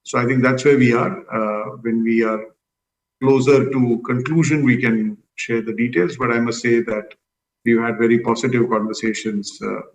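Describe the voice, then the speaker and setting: Echoing, roomy conference audio carries a man. He speaks at a medium pitch as a company executive, explaining things in a measured, diplomatic way. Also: steady tone. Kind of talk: answering questions on an earnings call.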